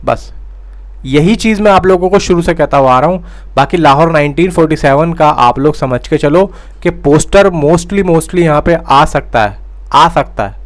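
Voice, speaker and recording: A man's voice: fairly high pitch, moderate pace. Insistent man giving film updates. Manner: insistent, repetitive, addresses viewers as brothers and friends. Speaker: film news YouTuber. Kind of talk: casual direct-to-camera update.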